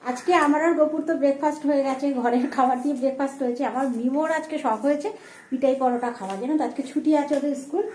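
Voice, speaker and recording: Woman, home family vlogger; chatty running narration of chores, brisk delivery, mellow, slightly high. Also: slight background noise. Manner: chatty, narrating chores and meals as she goes. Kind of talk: casual home vlog chat.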